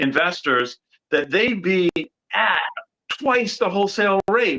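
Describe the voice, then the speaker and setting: With a raised, projected voice and a bright, sharp tone, a man speaks at a fairly slow pace with lively intonation, the sound dry and close with no echo. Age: 60s. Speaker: political candidate. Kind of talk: interview.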